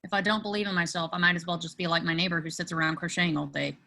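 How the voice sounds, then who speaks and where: A woman's voice: on the low side, fairly even intonation, racing, vocal fry, pushed and bright. A woman reading the part of an earnest, anxious teenage boy in an amateur table read of a film script. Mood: anxious, determined.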